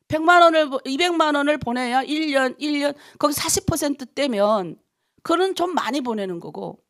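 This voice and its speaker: A middle-aged woman pastor preaching a dawn prayer sermon, appealing to her congregation with heated rhetorical questions. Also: sits high. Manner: impassioned, rhetorical questions to the congregation, quoting others in voices. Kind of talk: early-morning prayer sermon.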